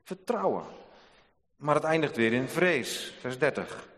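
A man preaching a sermon in a church, deliberate and repeating key phrases for emphasis. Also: on the high side, animated, fairly bright tone. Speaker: pastor. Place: church sanctuary. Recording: long church hall reverb.

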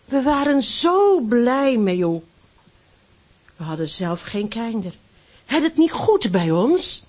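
A woman reading aloud, voicing a calm adoptive mother who soothes and gently pleads with her son. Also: fairly high pitch, slow, pitched above the performer's own voice, full character voice. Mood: soothing.

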